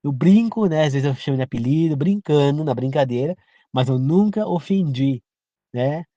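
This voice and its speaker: A man's voice: fairly high pitch, expressive, normal speed, dark tone, no room sound, muffled recording. A man from Brazil giving an informal sermon, earnest and repetitive, often turning to the listener with direct questions. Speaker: preacher. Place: rural home.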